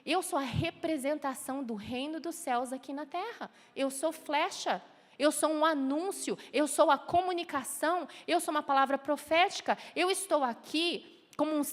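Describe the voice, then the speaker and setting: A woman preaching a sermon in Brazilian Portuguese, telling a story and acting out the voices in it. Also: sits high. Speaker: preacher and children's Bible teacher. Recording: church hall with long reverb.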